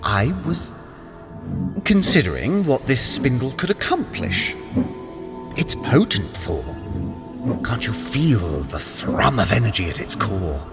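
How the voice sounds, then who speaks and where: An actor playing a sly, scheming younger-brother god of mischief in an audio drama, theatrical and sardonic. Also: male voice, fairly low pitch, very animated, slow pace, long pauses, over music, heavily acted. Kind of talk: scripted audio drama acting for a fitness app.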